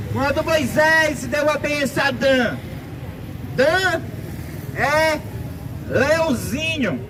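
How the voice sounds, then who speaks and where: A Brazilian man with a Brazilian Portuguese accent preaching a sermon in a slow, deliberate, emphatic way, recorded outdoors. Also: extremely high pitch. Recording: outdoor traffic noise behind.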